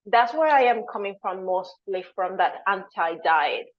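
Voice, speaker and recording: A woman, from Venezuela, speaking as a dietitian guest. She explains earnestly at a mid-range pitch and often searches for her words. The audio is somewhat dull and lo-fi. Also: lively intonation, unhurried. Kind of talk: conversational interview answer.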